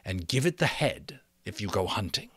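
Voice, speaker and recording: A man's voice: lowish voice, sing-song, normal speed, fairly bright tone, breathy edge, dry recording, clean studio sound, heavily acted. A man voicing a young tribal chief in an audiobook, giving solemn, emphatic orders.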